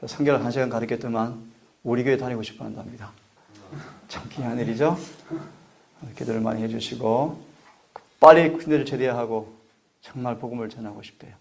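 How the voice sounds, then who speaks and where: A middle-aged man delivers a sermon as a pastor, speaking in an earnest, measured way. His voice sits at an ordinary pitch with a gravelly edge. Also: a little mellow. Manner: earnest, measured preaching with prayer requests.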